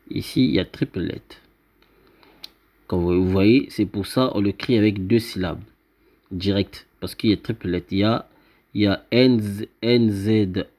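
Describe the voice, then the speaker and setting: A man explaining a writing system he invented to viewers, pointing at a screen and talking haltingly with many fillers and restarts. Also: lowish voice, warm tone. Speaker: self-styled teacher presenting his invented script. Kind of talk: informal explanatory talk over a screen.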